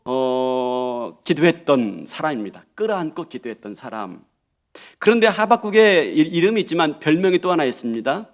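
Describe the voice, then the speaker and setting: A male pastor preaching a sermon in a church, repeating key phrases and asking the congregation rhetorical questions. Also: a little high.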